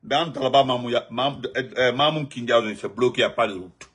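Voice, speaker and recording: A husky man with a Guinean French accent, delivering spontaneous political commentary. His voice sits at a middling pitch. He repeats himself for emphasis and swings from loud outbursts to low muttered asides. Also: a little fast.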